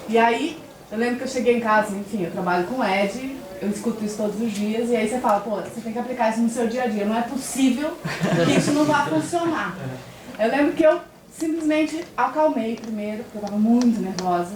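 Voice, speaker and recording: A woman's voice: fairly high pitch, fairly quick, darkish tone, a little hiss or hum. Brazilian woman telling a heartfelt story. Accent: Brazilian Portuguese. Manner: emotional personal storytelling, colloquial. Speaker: audience member sharing a story. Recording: echoey room from far off.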